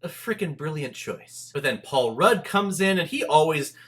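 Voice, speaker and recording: A male movie reviewer speaks in a fairly high, bright voice with a sharp edge. His pitch swings widely as he gushes with enthusiasm. He leans hard on key words and pauses dramatically for effect. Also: lively intonation. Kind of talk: enthusiastic video review commentary to camera.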